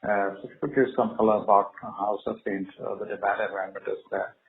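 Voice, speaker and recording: A man's voice: lowish voice, level tone, fast talker, vocal fry. A man speaking as a financial analyst, asking rambling, unscripted questions with hesitant phrasing over a phone on an earnings call. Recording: phone-like line with faint noise.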